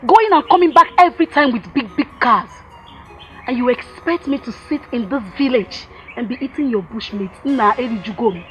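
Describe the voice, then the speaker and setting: A woman's voice: a little high, moderate pace, dull audio, soft background music, lightly acted. A woman with a Nigerian accent playing a fed-up, ambitious village wife who scolds and complains.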